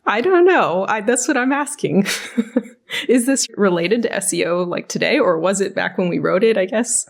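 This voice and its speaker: A woman's voice: medium pitch, expressive, moderate pace, creaky. A woman hosting a casual podcast discussion, speaking in a questioning, conversational way with frequent use of "like". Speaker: podcast host.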